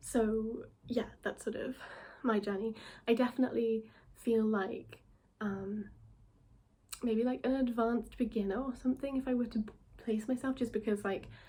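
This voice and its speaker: The voice is somewhat breathy, with a dark, mellow tone and fairly even intonation. It moves at a moderate pace, broken by long, frequent pauses. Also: woman, fairly high pitch for a woman. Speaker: knitting podcaster. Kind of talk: casual monologue podcast. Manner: halting, many pauses and filler; stutters.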